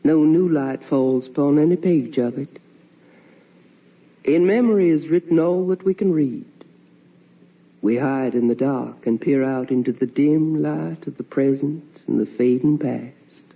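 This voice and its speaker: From a muffled old radio play comes the ghost of a wife and mother, full of longing and sorrow. The voice is low for a woman and drifts very slowly, hushed and theatrical, a little away from the microphone. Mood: haunted, solemn. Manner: slow, hushed, theatrical delivery. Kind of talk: radio drama monologue. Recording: muffled old radio recording, distant mic.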